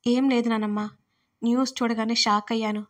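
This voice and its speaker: A grieving young woman pleads and sobs her way through each line of an audio storybook, voiced by a woman reading the tale. Her voice sits fairly high with little rise and fall. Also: flat delivery, brisk, close to an everyday voice. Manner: pleading, sobbing delivery.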